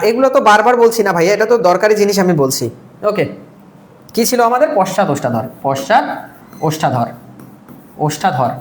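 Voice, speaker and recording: A woman's voice: mid-range voice, echoey room. A woman teaching a live online exam-prep class, drilling terms by repeating them and asking and answering her own questions.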